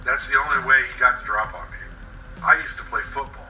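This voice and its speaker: A man acting a bitter captive, sharp-edged and echoing. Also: mid-range voice, brisk, recorded from a distance. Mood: grim, determined. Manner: brooding, sardonic first-person confession. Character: bitter, vengeful male captive with anger issues. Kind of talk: dramatic horror monologue reading. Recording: roomy echo, set back from mic. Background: music.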